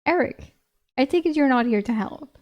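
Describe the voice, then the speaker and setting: A woman's voice: high-pitched, lively intonation, moderate pace, lo-fi sound. Woman doing a male company cook, dry and knowing, storybook reading.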